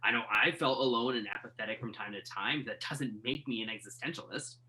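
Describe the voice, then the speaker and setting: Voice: medium pitch, a little fast, sharp tone, lightly acted, low-quality recording. An actor playing a skeptical, wry journalist in a play reading, argumentative and questioning. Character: skeptical, wry entertainment journalist debating music. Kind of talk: conversational dramatic play reading. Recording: virtual reading over internet call.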